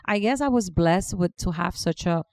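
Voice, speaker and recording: A woman with a Cuban Spanish accent, her voice low and gravelly, talking as a podcast guest. She speaks in long, loose stretches, restarting phrases and laughing as she goes. The sound is close and dry. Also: lively intonation, normal speed, a little mellow, no room sound. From Cuba. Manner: talkative, restarts often, laughs easily. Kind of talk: casual interview conversation.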